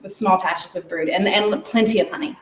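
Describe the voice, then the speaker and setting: A woman's voice: medium pitch, fairly quick, far from the mic, slight background noise. Woman beekeeper heard from off-mic. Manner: reflective, recounting in a personal way. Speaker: beekeeper panelist. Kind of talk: casual panel discussion. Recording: roomy echo from off-mic with faint ambience.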